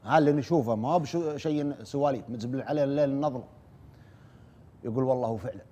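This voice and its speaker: A man retelling a war story as an oral storyteller, brisk and earnest, repeating "he says" as he goes. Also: mid-range voice, mellow.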